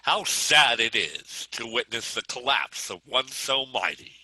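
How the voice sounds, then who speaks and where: A man's voice: mid-range voice, very animated, a little slow, pushed and bright, breathy edge, no echo, full character voice, low-quality recording. A man acting a pompous, theatrical sports commentator who gives grandiose mock commentary in a comic script read. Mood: pompous, mock-solemn.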